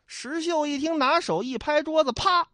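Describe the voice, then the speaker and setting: A male storyteller telling a classic tale in a lively, colloquial way. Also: extremely high pitch, moderate pace, dry recording, studio quality. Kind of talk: traditional oral storytelling.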